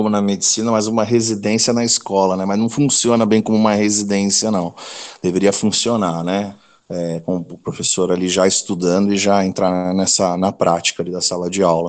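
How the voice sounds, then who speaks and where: A man talks at a moderate pace in an ordinary speaking voice, pitched fairly low. His intonation is fairly even, and the background is quiet. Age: 30s. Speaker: geography teacher. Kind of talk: panel discussion.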